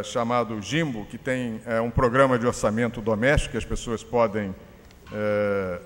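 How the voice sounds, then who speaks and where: Hesitant Brazilian man in a reverberant hall. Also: medium pitch. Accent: Brazilian Portuguese. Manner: hesitant, many filler pauses. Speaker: panel speaker. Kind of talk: conference presentation. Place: large conference hall.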